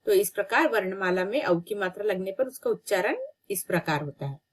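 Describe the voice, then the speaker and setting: A woman teacher giving a children's reading lesson, sounding out syllables slowly and repeating each word patiently. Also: mid-range voice, lively intonation. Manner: slow, drawn-out syllables, patient repetition.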